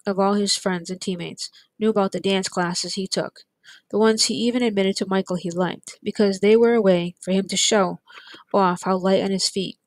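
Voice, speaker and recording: A woman reading a chapter of a novel aloud, in steady, plain storytelling. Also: mid-range voice, no echo. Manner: steady, plain storytelling with light character voices. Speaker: audiobook reader. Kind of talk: read-aloud narration.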